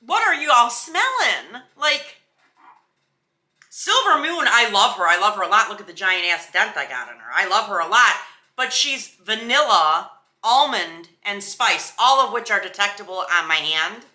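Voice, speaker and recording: Bright, sassy woman reviewing products. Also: mid-range voice, sing-song, moderate pace. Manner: sassy, emphatic, slangy. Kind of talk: casual chatty product review. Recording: roomy indoor echo.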